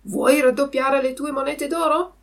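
A woman voicing a sly, smooth-talking lame male fox who coaxes the puppet. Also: high voice, fairly even intonation, unhurried, recorded from a distance, pitched above the performer's own voice. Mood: wheedling.

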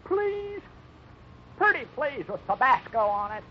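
Casting: boastful comic cowhand, very high, animated voice, folksy, old radio serial with dulled sound. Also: male voice, unhurried, exaggerated voice. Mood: eager, boastful. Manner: folksy, exclamatory, chuckling at himself. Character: excitable, boastful comic cowboy ranch hand. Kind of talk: 1950s radio drama acting. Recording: dull, faintly noisy 1950s radio recording.

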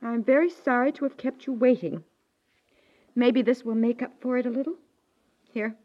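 An American wife acted by a woman speaks in a fairly high voice through a dull, band-limited 1950s radio recording. She is apologetic yet defensive, pleading and earnest as she explains herself. The playing is that of domestic radio comedy, loving underneath the hurt. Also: steady tone, moderate pace, close to an everyday voice.

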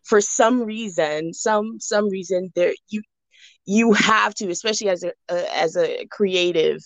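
A woman's voice: mid-range voice, measured pace, no room sound. A young woman from the Bahamas, a jewelry designer interviewed as a podcast guest, talking reflectively with many fillers and restarts.

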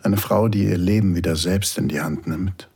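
A man's voice: deep voice, normal speed, gravelly, darkish tone, breathy edge, full character voice. A man acting a commanding, reassuring lover in an intimate erotic audio drama, murmuring breathily right in the ear, often near a whisper. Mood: admiring, desiring. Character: commanding, reassuring male lover, tender and desiring.

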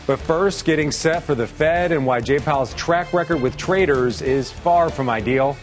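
Higher-pitched male financial news anchor. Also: moderate pace, faint music behind. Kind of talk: broadcast financial news presenting.

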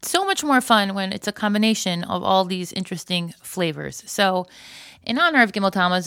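A woman's voice: fairly low pitch, a bit bright, clear, resonant tone, dry recording, clean studio sound. A woman hosting a solo podcast in a chatty, conversational way, with wry, joking asides. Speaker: podcast host.

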